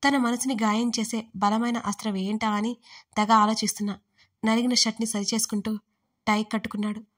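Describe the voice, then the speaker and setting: A woman narrating a romantic story in the first person, in an expressive, conversational way. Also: fairly high pitch, brisk.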